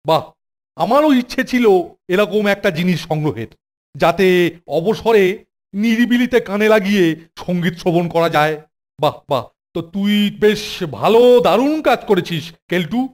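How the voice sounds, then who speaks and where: A man voicing a stern, pompous older hostel superintendent in a children's cartoon, quick to scold. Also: high voice. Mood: pleased, pompous. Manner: pompous, scolding, easily flattered.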